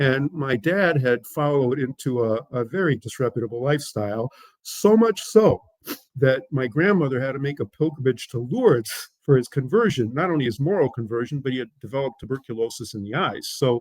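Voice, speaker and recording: A man with a Midwestern accent talks at a fairly quick pace and a medium pitch. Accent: American, Midwest. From Ohio, US. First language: Lithuanian. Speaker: former religious TV host. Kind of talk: interview storytelling. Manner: halting, many fillers.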